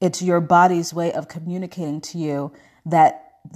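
A woman speaks in a very deep, low pitch with a dark, mellow tone and a relaxed manner. Her intonation stays flat and monotone on a very clean recording with a silent background. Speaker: nutrition and stress coach podcaster. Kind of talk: solo podcast monologue. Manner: relaxed tone with passion and energy.

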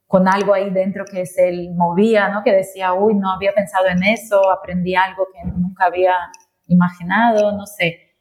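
This voice moves at a moderate pace with monotone, flat intonation. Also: woman, medium pitch for a woman. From Brazil. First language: Portuguese (speaking Spanish). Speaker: social entrepreneur. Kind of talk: interview. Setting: video call.

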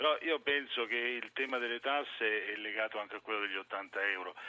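A man speaks in a plain, everyday voice. His pitch is fairly low and his pace moderate. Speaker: research institute director. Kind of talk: radio interview.

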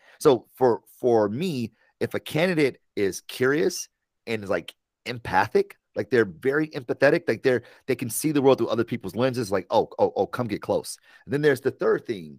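In an American accent, a man with a plain, everyday voice talks at a moderate pace and medium pitch with lively intonation, recorded very cleanly against a silent background with a dry, close sound and no echo. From Detroit, US Midwest. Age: 40s. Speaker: marketing strategist and professor. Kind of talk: interview conversation.

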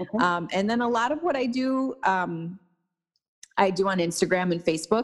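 This woman has an unremarkable speaking voice, medium in pitch, with an American accent. Her intonation is lively and her pace moderate. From Minnesota, St. Paul. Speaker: life coach. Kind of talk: casual interview.

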